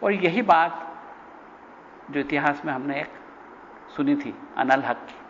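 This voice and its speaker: A man with a fairly high voice gives a spiritual lecture in a hall with a long reverb. He tells a story, acting out the quoted lines with jumps in pitch. The recording is dull and lo-fi, with faint hiss. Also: slow, a bit bright. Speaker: spiritual teacher. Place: ashram hall.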